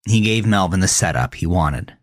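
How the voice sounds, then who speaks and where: A man's voice: deep voice, lively intonation, moderate pace, no room sound. A man narrating a horror thriller story in a scripted, dramatic storytelling style. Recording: close dry voice over faint music. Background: faint music.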